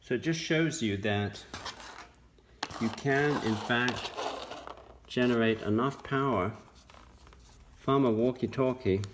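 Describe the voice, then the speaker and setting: A man presenting a science video, explaining a demonstration step by step in measured, halting short phrases. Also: medium pitch, slight background noise. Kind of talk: explanatory narration of an electronics demonstration.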